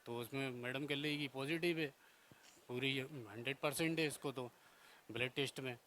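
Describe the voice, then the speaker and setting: A man in the middle of the pitch range calmly retells a hospital visit. He speaks plainly and haltingly, with a faint hum in the background. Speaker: husband giving testimony. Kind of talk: casual recounting.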